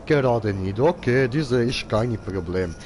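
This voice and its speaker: A man's voice: medium pitch, expressive, a little slow, noisy background. A man giving casual live gaming commentary in clownish, slangy broken grammar, as a streamer. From Switzerland. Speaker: game streamer.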